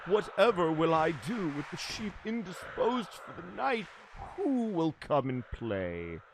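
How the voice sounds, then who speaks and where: A man's voice: a little high, big pitch swings, measured pace, background noise. A man playing a menacing, self-pitying wrestling villain, delivering a promo monologue like a hammy, melodramatic stage actor. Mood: mock lament.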